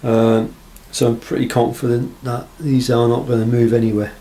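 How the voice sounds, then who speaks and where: In a small workshop with block walls, a knife maker casually shows his work without a script, speaking hesitantly and with understatement. His dark-toned voice is medium-pitched, varies little and moves at a moderate pace. Background noise is clearly audible in the camera audio.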